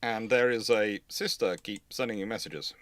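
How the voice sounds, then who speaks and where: A man hosting a naval history livestream, answering questions in casual chat with halting, repetitive phrasing. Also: on the low side, fairly bright tone.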